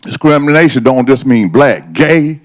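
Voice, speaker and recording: An older man, sixty or more, gives a podium speech as a resident at public comment. His voice is mid-pitched, and he testifies from personal experience in an emphatic, fired-up, combative way. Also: animated, moderate pace. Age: 60s or older. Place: council meeting room, at a podium.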